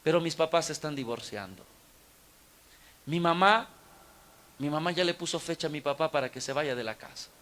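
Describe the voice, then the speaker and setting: A man's voice: fairly high pitch, lively intonation, moderate pace, pauses often, a bit bright. A man voicing a desperate teenage girl who pleads. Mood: pleading. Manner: pleading, emotional quoting.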